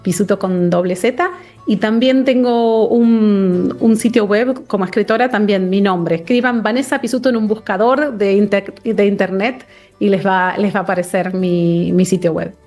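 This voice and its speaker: A woman's voice: mid-range voice, moderate pace, a little mellow, faint music behind. A woman from Argentina with an Argentine accent, an author guest speaking earnestly and reflectively in a radio interview over a remote line. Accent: Argentine Spanish. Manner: reflective, earnest, repeats words while thinking. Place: home or office in England.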